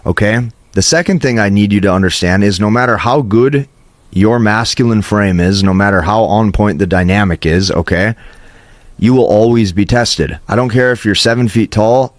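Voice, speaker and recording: A dating advice coach hosts a motivational monologue to camera in a fairly low voice, with no echo. He's emphatic and instructive, frequently checking in with "okay".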